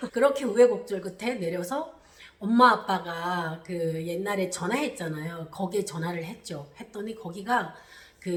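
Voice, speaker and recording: A woman from Korea, telling a personal story on her channel in an animated way. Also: reverberant. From North Korea. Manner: animated, re-enacts quotes with loud high bursts. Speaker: channel host.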